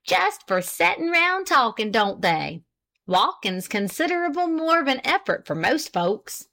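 A woman voicing a thin, shrewish, frugal old farm wife with a sharp, nagging rural drawl. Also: on the high side, sing-song, takes it slowly, pitched above the performer's own voice, heavily acted.

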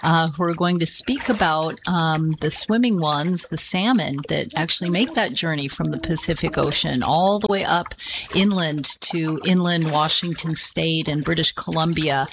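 Low-voiced woman, slow and searching. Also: noisy background. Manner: slow, searching, with repeated restarts. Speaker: podcast co-host. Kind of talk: reflective conversational talk.

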